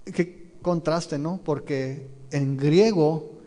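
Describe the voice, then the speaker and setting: A man preaches a verse-by-verse Bible sermon in a somewhat high, mellow voice. He keeps turning to his listeners with questions and tells the scenes vividly. His voice rings with the long reverb of a large church hall. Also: very slow. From Mexico. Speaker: pastor.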